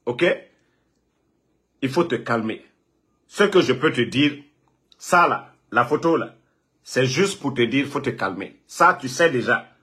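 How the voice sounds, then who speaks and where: A man's voice: mid-range voice, expressive, a little slow, long pauses, pushed and bright. A man from Guinea, ranting and scolding a rival on a live phone video, repeating himself. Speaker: political online commentator.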